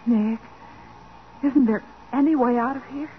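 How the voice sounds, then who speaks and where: An actress playing an anxious, curious detective's assistant in a 1940s radio crime drama, full of questions. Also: female voice, on the high side, measured pace, narrow, tinny audio, natural voice. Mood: frightened. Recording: thin, noisy 1940s radio recording.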